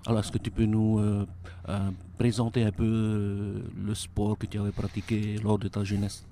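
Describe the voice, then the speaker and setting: A man's voice: fairly low pitch, monotone, moderate pace, dark tone, slight background noise. A man hosting a radio interview, speaking hesitantly with many "euh" between phrases. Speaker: radio host. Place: radio studio.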